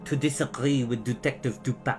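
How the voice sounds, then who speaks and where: Guy doing a wheezy scratchy creepy villain, slow and smug, like a storybook baddie. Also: medium pitch, fairly even intonation, music in the background, close to an everyday voice. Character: sinister vain male villain in disguise.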